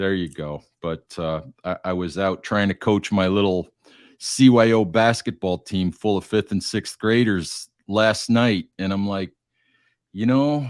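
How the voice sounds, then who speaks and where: A man with an unremarkable speaking voice, fairly low in pitch with ordinary variation, at a fairly slow pace. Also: dry, close sound with no echo. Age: 60s. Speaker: sports podcast host. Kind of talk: casual chat. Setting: remote podcast call from his office.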